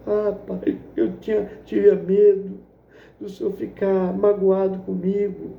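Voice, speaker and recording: A man's voice: high-pitched, level tone, takes it slowly, vocal fry, full character voice. A man voicing a frightened young son who pleads and confesses in tears, recorded in an echoey room with a dull lo-fi sound. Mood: remorseful. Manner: pleading, tearful. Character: frightened young male student son, remorseful.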